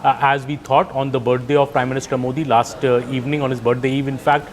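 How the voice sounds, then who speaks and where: A man's voice: mid-range voice, flat delivery, fast talker. A man with an Indian accent giving live news analysis as a journalist, explaining point by point.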